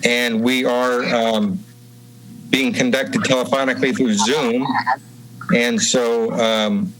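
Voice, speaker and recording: A man chairing a public meeting in formal procedural language, speaking in a halting, deliberate way. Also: mid-range voice, fairly even intonation, fairly bright tone, rough recording. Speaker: commission chairman. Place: remote meeting over Zoom.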